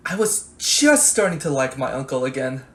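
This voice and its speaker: A man's voice: mid-range voice, big pitch swings, moderate pace, a bit bright. A man playing a wry, weary debate moderator in a staged political satire, presenting like an announcer.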